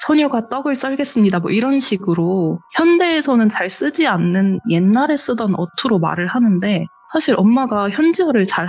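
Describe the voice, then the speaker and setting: A woman with a husky, slightly breathy voice recounts a true ghost story in plain, conversational speech as the guest on a horror radio show. The sound is a little dull and muffled, with faint music underneath. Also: a little high. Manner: conversational, matter-of-fact retelling.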